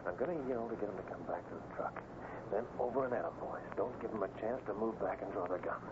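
An actor playing a steady, commanding cowboy hero in a radio Western, brisk, decisive and folksy. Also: male voice, on the low side, natural voice. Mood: hushed, urgent. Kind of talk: 1950s radio Western acting. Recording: noisy, tinny old radio recording.

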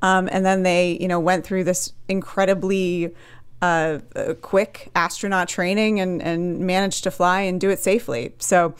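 A woman's voice: fairly low pitch, steady tone, normal speed, clear, resonant tone. A woman space reporter as a guest on a radio show, talking with hesitations and fillers. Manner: hesitant, many fillers and restarts. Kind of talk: radio interview.

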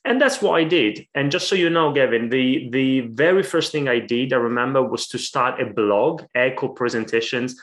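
A man's voice: mid-range voice, moderate pace, few pauses, a bit bright. A man in his thirties with an Italian accent, a guest answering interview questions with eager storytelling. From Italy. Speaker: guest, presentation coach.

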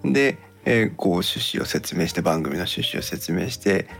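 A man with a low, creaky voice chats casually as a podcast host. His pitch moves around in a lively way as he explains things in halting, polite but relaxed phrases. Faint music sits behind him.

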